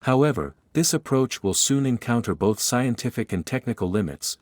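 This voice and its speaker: A man's voice: medium pitch, animated, normal speed, a little mellow, no echo, studio quality. A man reading a prepared passage aloud as scripted narration. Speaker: model reader for an English exam lesson.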